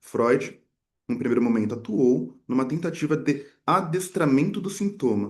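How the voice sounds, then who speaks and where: Here is a man with a normal speaking voice and a fairly high pitch. He talks at a moderate pace with lively intonation. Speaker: psychoanalyst. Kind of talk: lecture. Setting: hybrid event at association venue.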